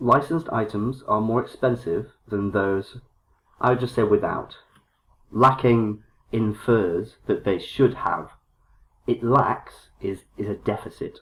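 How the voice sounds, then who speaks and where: The speech moves at a very slow pace. It is a very clean recording with a silent background. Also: man, medium pitch for a man, ordinary pitch variation. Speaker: IELTS tutor. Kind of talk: essay correction tutorial.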